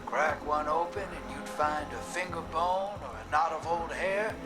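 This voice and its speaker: Man playing a slow-drawling, wisecracking rogue. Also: a little high, natural voice. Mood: sly. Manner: drawling, folksy, teasing. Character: roguish, wisecracking drifter, laid-back and folksy. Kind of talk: video game dialogue acting. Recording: music behind the voice.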